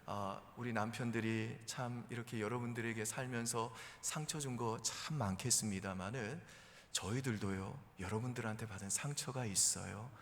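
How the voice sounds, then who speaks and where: With a medium-pitched voice at normal speed, a pastor shares a sermon with his congregation in the style of a conversational story. It was recorded in the echoing hall of a church sanctuary, with some faint hiss or hum.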